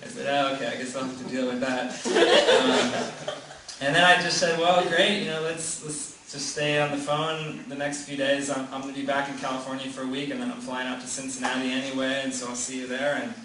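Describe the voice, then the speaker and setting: A man's voice: medium pitch, fairly even intonation, fairly quick. A man casually telling a personal story to a group, rambling, with restarts, lots of "like", and frequent laughs. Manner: rambling, many restarts and fillers, laughs often. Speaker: gathering participant sharing a story. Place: gathering in a room. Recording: echoey room, mic far off, background noise.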